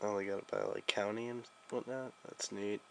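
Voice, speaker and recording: A man's voice: fairly low pitch, steady tone, a little fast, vocal fry, a little hiss or hum. A young American man giving a casual, slangy, joking app demo as a video reviewer.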